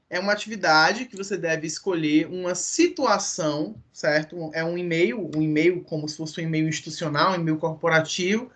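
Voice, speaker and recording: A man's voice: sits high, pushed and bright. A man lecturing a university class online, explaining step by step and often checking in with his students.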